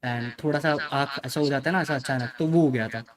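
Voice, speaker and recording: A man's voice: medium pitch, fairly quick. A young man telling his viewers a story in a casual way. He talks emphatically, mixes English phrases into his speech and keeps dropping in "okay" as a filler. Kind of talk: casual spoken account to viewers.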